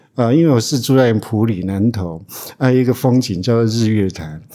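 A man with a Taiwanese accent, fairly quick and dark, mellow in tone, in a very clean recording with a silent background. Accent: Taiwanese Mandarin. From Taiwan, Hualien. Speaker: literature professor. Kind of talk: interview. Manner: halting.

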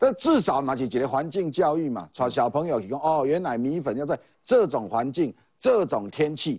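This man has a fairly high pitch and lively intonation, talking at a moderate pace. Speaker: political commentator. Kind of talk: political talk show panel discussion.

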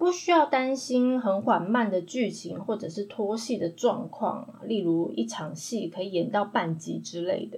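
A woman speaks at a medium pitch with lively intonation and some vocal fry. Her pace is fairly slow, yet she hardly pauses at all. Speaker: podcast host, TV drama reviewer. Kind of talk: scripted drama review narration.

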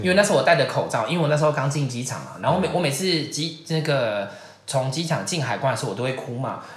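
A man with a fairly high voice speaks at a very fast pace in an animated tone with lively intonation, over noticeable background noise and audible room echo. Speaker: podcast guest. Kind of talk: casual chat.

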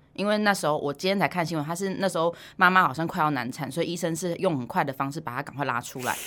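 Very fast with hardly any pauses, this woman talks in a fairly low pitch and a bright, sharp tone on a very clean recording with a silent background. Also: ordinary pitch variation. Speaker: podcaster, guest co-host. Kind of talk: casual chat.

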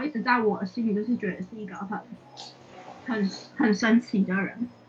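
Through noticeable background noise, a woman with a fairly high pitch speaks at a moderate pace. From Taiwan, Yuanlin (Changhua). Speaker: TV program editor. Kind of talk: casual chat. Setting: online recording.

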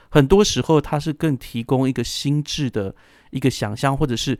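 A man with a Taiwanese accent, medium pitch, ordinary pitch variation and a relaxed tone, in a very clean recording with a silent background and a dry, close sound with no echo. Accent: Taiwanese Mandarin. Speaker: podcast host, book reviewer. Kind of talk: solo book review podcast. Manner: relaxed, with frequent fillers.

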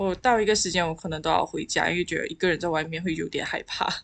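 Very fast speech with fairly even intonation in a Malaysian accent. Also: woman. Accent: Malaysian Mandarin. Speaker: marketing graduate, former international student. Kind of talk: casual chat.

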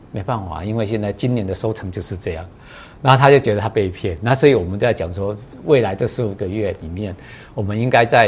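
A man talks at a fairly quick pace with a fairly low pitch. His voice is somewhat breathy. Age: 50s. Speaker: interviewer, app founder. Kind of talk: casual interview.

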